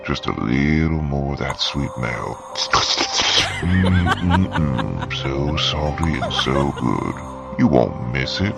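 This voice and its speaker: A sinister creature that feeds on a hospital's sick, savoring every slow, gloating word. The voice sits extremely low and grinds with gravel. Music plays under this audio book trailer. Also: male voice, expressive, full character voice. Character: sinister thing feeding in a hospital. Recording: music bed behind.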